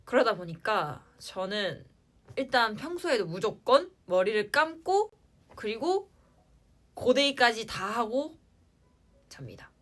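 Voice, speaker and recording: A young woman in her twenties hosting a casual livestream, answering fans in a chatty way and trailing off softly at the ends of her lines. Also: fairly high pitch, big pitch swings, slow pace, long pauses. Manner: chatty, playful sound words, trails off at line ends. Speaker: idol livestream host.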